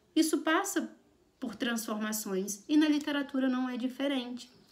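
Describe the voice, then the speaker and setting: An animated voice with lively intonation carries audible room echo. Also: woman. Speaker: teacher. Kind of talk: lecture.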